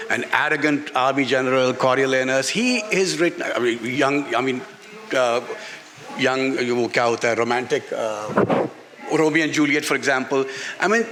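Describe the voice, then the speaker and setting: A man with a Pakistani accent answering as an author in an unscripted stage interview, halting and repeating phrases for emphasis. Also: medium pitch, a bit bright. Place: literature festival stage before an audience. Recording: reverberant public-address sound at festival.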